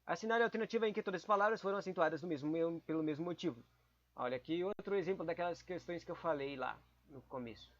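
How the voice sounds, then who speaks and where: Guy studying grammar out loud, kinda high voice, mumbly and confused, dull lo-fi sound. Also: fast talker. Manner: casual, muttering, confused asides. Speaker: podcast host studying for exams. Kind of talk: thinking aloud while studying. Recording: dull lo-fi recording.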